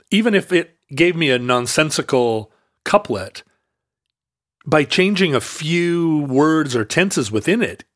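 Man talking in halting restarts. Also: a little high, a bit bright, no room sound. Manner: halting, many restarts and fillers. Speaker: podcast co-host. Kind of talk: casual conversation.

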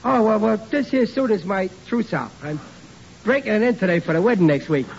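A man's voice: high-pitched, expressive, fairly quick, darkish tone. An actor playing Riley, a bumbling working-class young groom who stammers and mangles his grammar, in 1940s radio comedy style. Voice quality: rough, ungrammatical, stammering. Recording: dull old radio recording, faint hiss.

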